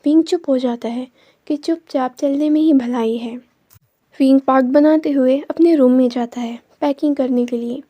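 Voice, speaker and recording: A woman narrating her own fanfiction as a story, in a calm, steady telling. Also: sits high, normal speed, highs cut off.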